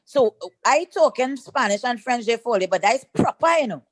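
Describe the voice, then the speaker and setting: Lively woman, higher voice. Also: a little fast, dry recording. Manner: lively storyteller, switches into Spanish and French. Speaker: guest soca singer. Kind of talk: casual interview chat.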